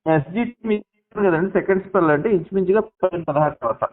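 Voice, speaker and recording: Narrow phone audio, man, slightly high voice, polite, explanatory, helpline information. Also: quick pace. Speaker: exam helpline staffer. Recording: muffled recorded phone call.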